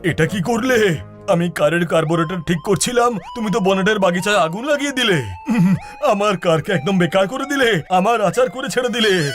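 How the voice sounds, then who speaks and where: Hot-tempered, theatrical cartoon guy with his car wrecked, high and animated, a man voicing him. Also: faint music behind. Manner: theatrical, quick to rage. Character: excitable, hot-tempered adult car owner. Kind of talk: cartoon voice acting.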